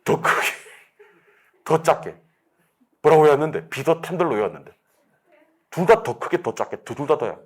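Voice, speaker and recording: A man lecturing a real estate exam class, drilling students with quick questions and answering them himself. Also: a little high, sing-song, breathy edge. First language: Korean.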